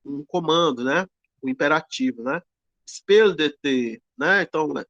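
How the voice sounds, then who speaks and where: Man teaching a slow online lesson. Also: a little high, fairly bright tone, dry recording, dull audio. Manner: explains slowly, many fillers and tag questions. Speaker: Greek teacher.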